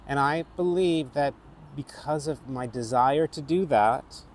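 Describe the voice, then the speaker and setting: A middle-aged man with a North American accent, an actor reflecting on his life in a thoughtful, halting way with frequent restarts. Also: mid-range voice, a little mellow, a little hiss or hum. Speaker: actor and theatre maker. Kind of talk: reflective personal vlog.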